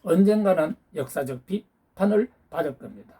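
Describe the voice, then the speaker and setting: A man's voice: on the high side, expressive, moderate pace, warm tone, slightly rough. A man delivering a ranting political monologue, lecturing his listeners and firing off challenging rhetorical questions. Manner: lecturing, hectoring tone toward listeners. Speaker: YouTube channel host.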